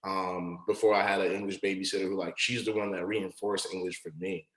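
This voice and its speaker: A young man from Long Island whose first language is Igbo, a podcast guest talking in a relaxed, slangy way with lots of "like" fillers. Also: low voice, fairly quick. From Long Island, New York. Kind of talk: casual podcast conversation. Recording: roomy echo.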